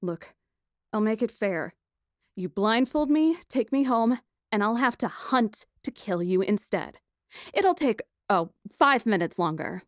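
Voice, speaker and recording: A woman playing a feisty, sarcastic young white mage in an audiobook, defiant, sharp-tongued and scornful. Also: a little high, expressive, unhurried, dry recording, studio quality. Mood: sarcastic defiance. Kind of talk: audiobook dialogue acting.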